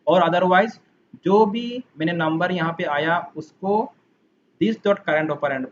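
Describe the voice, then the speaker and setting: Guy teaching javascript class, patient, repeats stuff, bit high voice, muffled recording w faint hiss. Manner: patient, repeats and rephrases while explaining. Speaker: programming teacher. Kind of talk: coding lesson walkthrough. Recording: dull lo-fi recording with faint noise.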